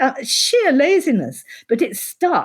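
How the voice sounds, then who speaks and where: A woman speaks with an English accent and very wide pitch swings. The recording is very clean, with a silent background. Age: 70s. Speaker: sportswriter. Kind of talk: interview. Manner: halting.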